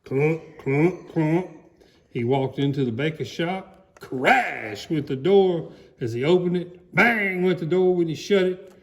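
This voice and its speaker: A man voicing a folksy, excitable country alligator, giving a theatrical comic storybook reading. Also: a little high, slow. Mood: hammy, excited. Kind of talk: dramatic storybook reading, played for comedy.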